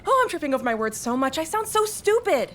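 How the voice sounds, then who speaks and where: A woman's voice: high voice, sing-song, fast talker, a bit bright, a little hiss or hum. A woman playing an ambitious working mother in an audio drama, flustered and eager. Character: ambitious working mother, tour-boat guide.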